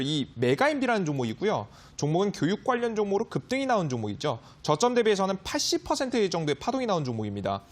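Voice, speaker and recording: A man giving a stock market lecture as a guest expert on a finance broadcast, emphatic, with frequent fillers. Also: high-pitched.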